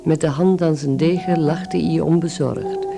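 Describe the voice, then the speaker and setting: Male radio play narrator; scripted, descriptive storytelling set over a clear musical bed. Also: on the high side, fairly even intonation, unhurried, music in the background.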